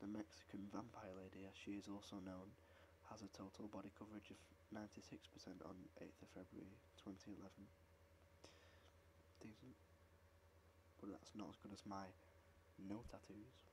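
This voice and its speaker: A soft-spoken man whispers at a moderate pace, somewhat breathy. He leaves long, frequent pauses. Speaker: ASMR content creator. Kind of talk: ASMR book reading, casual talk. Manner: whispered, soft-spoken, relaxed.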